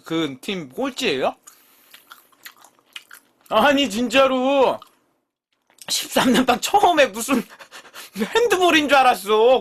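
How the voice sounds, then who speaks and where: Male streamer, thirties, casual live chat, high voice that leaps around, salty and teasing with his chat. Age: 30s. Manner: swears freely, teasing and bickering with chat; lively, jumps between mumbling and loud outbursts. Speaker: live-stream eating show host.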